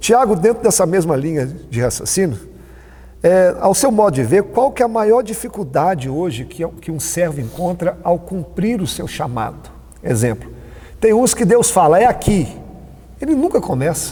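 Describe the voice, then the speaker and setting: A man with a high pitch talks at a moderate pace, his voice making very wide pitch swings. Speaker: pastor. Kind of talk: casual chat.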